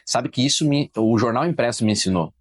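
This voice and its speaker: A man, a journalist guest, talking in a casual podcast interview, opinionated and emphatic, telling stories quickly. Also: mid-range voice, animated, slightly rough.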